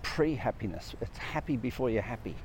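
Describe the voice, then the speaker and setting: A man's voice: medium pitch, expressive, brisk, darkish tone, low-quality recording. A man speaks in a mid-range voice, earnest and reflective as he talks about purpose and the soul. He piles up phrases and questions one after another. Faint traffic hums behind him. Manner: earnest, repetitive, builds lists of questions. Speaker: speaker on personal growth. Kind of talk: reflective spiritual talk.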